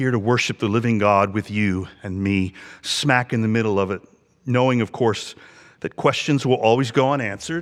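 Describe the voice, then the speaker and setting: A man with an unremarkable speaking voice talks at a moderate pace and medium pitch, with ordinary pitch variation against a quiet background. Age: 60s. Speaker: pastor. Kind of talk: sermon.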